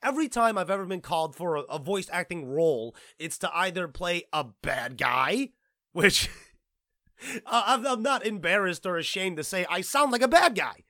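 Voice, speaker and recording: A man hosting a podcast, talking in a casual, rambling and excitable way, tripping over his words and swearing now and then. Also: high-pitched, normal speed, dry recording, clean studio sound. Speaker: podcast host and producer.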